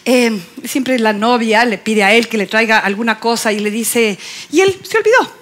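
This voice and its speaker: A woman's voice: on the high side, expressive, moderate pace, a bit bright. A woman with an Ecuadorian accent doing a stand-up comedy monologue, playful and teasing the audience. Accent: Ecuadorian Spanish.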